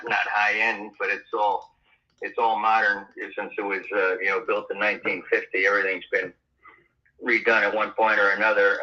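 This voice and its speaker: On a tinny phone call, this man trying to sell his house has a fairly low, sharp-toned voice. His talk is halting, cluttered with fillers and false starts.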